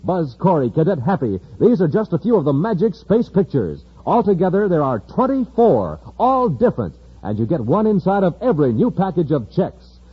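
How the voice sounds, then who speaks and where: A man's voice: a little high, slightly rough, lo-fi sound. A male announcer in a 1950s radio serial, narrating and selling cereal with showy emphasis. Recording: hissy old radio transcription.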